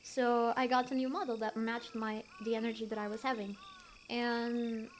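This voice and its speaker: A woman's voice: on the high side, level tone, moderate pace, slight background noise. A young woman streamer, not a native English speaker, chatting casually with her chat, giggly and rambling with fillers. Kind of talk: casual chat reading chat messages.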